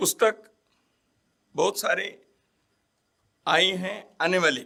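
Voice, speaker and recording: This man speaks with a Kannada accent. He leaves long, frequent pauses. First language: Kannada (speaking Hindi). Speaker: speaker at book launch. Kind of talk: formal speech. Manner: formal.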